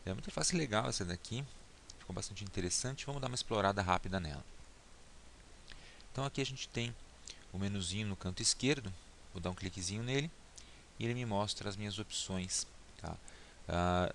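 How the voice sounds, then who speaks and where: A man teaching in a relaxed screen-recorded tutorial, narrating each click and often checking in with "tá?". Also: fairly low pitch, gravelly. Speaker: instructor. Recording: faint hiss and mouse clicks.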